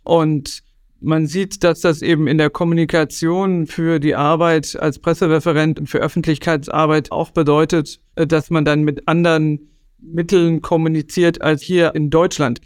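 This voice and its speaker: Fairly high-voiced male host, brisk scripted questions, dry close sound. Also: flat delivery, smooth, dry recording. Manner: brisk, reads prepared questions. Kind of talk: scripted interview moderation.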